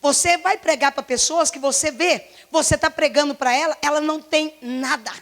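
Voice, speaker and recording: In her forties and speaking with a Brazilian Portuguese accent, a woman pastor preaches a fervent sermon at a church service. Her high, fairly bright voice is slightly hoarse and moves at a moderate pace. She is impassioned and repetitive, firing off many rhetorical questions.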